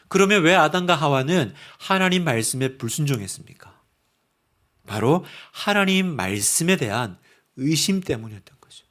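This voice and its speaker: A male pastor with a fairly high voice preaches a sermon in an animated style, putting rhetorical questions to the congregation.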